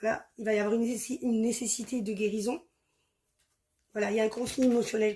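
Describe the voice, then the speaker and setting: A woman speaks at a very fast pace broken by long, frequent pauses, her fairly high, somewhat breathy voice dark and mellow in tone, with monotone, flat intonation. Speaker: tarot reader. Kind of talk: tarot reading. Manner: hesitant.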